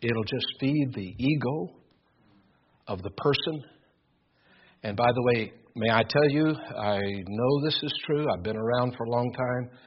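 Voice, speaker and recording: An older man preaching a sermon with a loud voice, earnest and emphatic, often repeating words as he builds his points. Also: medium pitch, measured pace, a little hiss or hum. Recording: dull lo-fi recording.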